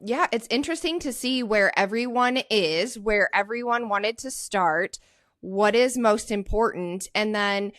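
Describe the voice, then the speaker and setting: A woman's voice: mid-range voice, unhurried, fairly bright tone, no echo. Affirming woman interviewer, dry sound. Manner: friendly and affirming. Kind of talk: casual interview chat.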